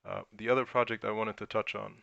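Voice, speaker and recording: A man's voice: on the low side, little pitch movement, quick pace, gravelly, bright, forceful tone, no room sound, highs cut off. A man from Germany whose first language is German, hosting a casual livestream and thinking aloud while he answers chat questions. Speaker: crypto livestream host.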